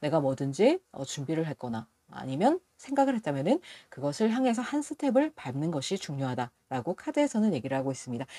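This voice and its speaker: A woman with a very deep, low pitch and a dark, mellow tone talks at a fairly quick pace with very wide pitch swings, the sound dry and close with no echo. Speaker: tarot reader. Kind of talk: tarot reading monologue. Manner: halting, many fillers.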